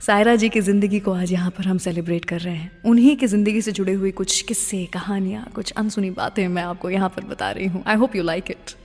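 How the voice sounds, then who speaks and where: A woman's voice: mid-range voice, steady tone, fairly quick, hardly any pauses, darkish tone, long reverb tail. A woman with an Indian accent presenting a radio show in a chatty, conversational storytelling way, speaking directly to listeners and mixing in English phrases.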